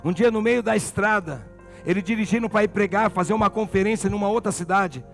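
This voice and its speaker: A pastor with a Brazilian Portuguese accent, preaching a sermon and telling a story with passion. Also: male voice, high voice, fairly quick, vocal fry, fairly bright tone, soft background music.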